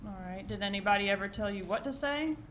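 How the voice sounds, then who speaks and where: A woman's voice: mid-range voice, fast, a bit bright. Female prosecutor questioning in a noisy courtroom. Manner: short pointed questions. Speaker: prosecutor examining a witness. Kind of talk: courtroom direct examination.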